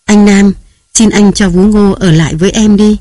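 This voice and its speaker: A man's voice: high voice, normal speed, a little mellow, no echo, studio quality, natural voice. A man reading aloud who voices a frightened young wife, tearful and pleading.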